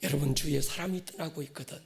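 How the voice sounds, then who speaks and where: Male pastor, 50s, high register with a gravelly creak, exhorting a congregation in sermon style, moving between hushed and forceful delivery. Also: steady tone, quick pace. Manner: exhorting, swings from hushed asides to forceful shouted declarations; prompts listeners to respond and repeat.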